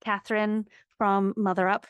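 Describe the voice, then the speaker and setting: A woman's voice: medium pitch, little pitch movement, moderate pace, smooth, no room sound, lo-fi sound. A woman, co-hosting a podcast in an upbeat, jokey way full of fillers. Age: 30s. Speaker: podcast co-host. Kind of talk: casual chat.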